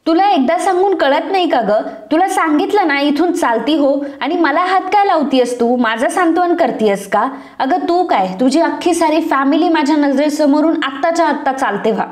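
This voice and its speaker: A woman narrator voicing an angry, domineering older mother who scolds loudly in a serial recap. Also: sits high, normal speed, roomy sound, close to an everyday voice. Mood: furious. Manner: scolding, shouting.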